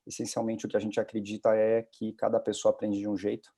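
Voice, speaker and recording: A man presenting his education tech company on an online panel in a measured, informative way. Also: lowish voice, completely flat delivery, warm tone, breathy edge. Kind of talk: self-introduction on a webinar panel. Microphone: video call.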